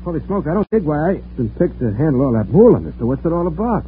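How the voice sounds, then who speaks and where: A man's voice: a little high, big pitch swings, fast talker, a little hiss or hum. An actor playing a hapless, nervous small-time wise guy, slangy and put-upon, in an old-time radio comedy crime drama. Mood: nervous, flustered. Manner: slangy, put-upon, colorful streetwise storytelling. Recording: tinny old radio recording.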